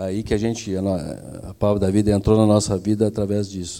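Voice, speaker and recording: Speaking at a moderate pace, a man delivers his words in a flat monotone. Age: 50s. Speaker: church member. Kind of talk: testimony interview.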